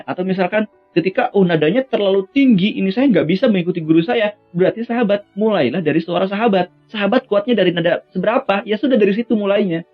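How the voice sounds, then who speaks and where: A man's voice: a little high, lo-fi sound. Friendly male Quran chant coach. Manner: friendly, addresses viewers as friends, breaks into melismatic chant. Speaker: vocal coach for Quran recitation. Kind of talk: casual spoken lesson with sung demonstrations.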